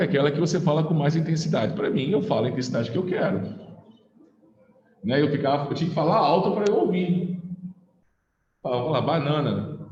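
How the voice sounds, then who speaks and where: A man's voice: mid-range voice, a little mellow. A Brazilian man teaching a physics class in a chatty, informal way, with slang and swearing. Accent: Brazilian Portuguese. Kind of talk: casual classroom lecture. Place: classroom, also streamed to students at home. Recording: echoey classroom with dull lo-fi sound.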